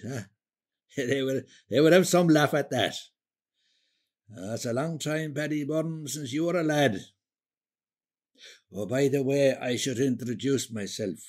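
A man's voice: mid-range voice, breathy edge. An actor playing an elderly Irish emigrant builder in a radio drama, chatty and wistful, rambling hesitantly through his memories. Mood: nostalgic, chatty. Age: older. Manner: rambling, hesitant, conversational storytelling.

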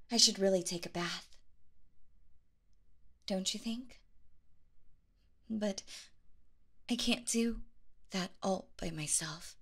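A woman's voice: medium pitch, full character voice. Stammering, clingy yandere girlfriend.

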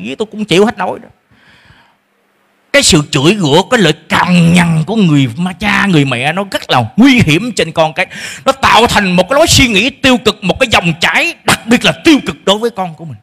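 Man, pastor, sermon, high voice, emphatic. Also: animated, fast, creaky, fairly bright tone, husky. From Vietnam. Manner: emphatic, acts out parents' complaints in a shifting voice.

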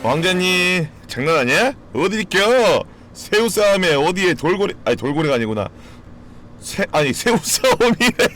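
A man chatting casually with his live-stream audience, joking, swearing freely and breaking into sudden loud outbursts. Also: high-pitched, very animated, normal speed, music in the background. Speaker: game streamer.

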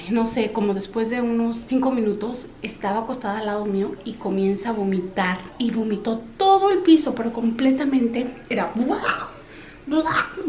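A woman in her thirties, a mom vlogger telling a story in an animated, chatty way, talking straight to her viewers. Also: on the high side. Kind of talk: casual storytelling vlog. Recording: echoey room with faint noise.

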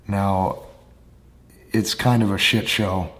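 A man in his thirties with a hoarse, nearly lost voice, speaking slowly and deliberately as a dating coach addressing the camera indoors. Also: fairly low pitch, fairly even intonation, a bit bright. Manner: slow deliberate delivery with emphatic hand gestures. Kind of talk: direct-to-camera advice talk. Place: indoor studio with lit brick wall.

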